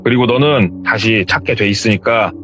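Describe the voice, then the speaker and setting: Stern general-like woman, a man acting her out, slow commanding warnings, muffled sound. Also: lowish voice, natural voice.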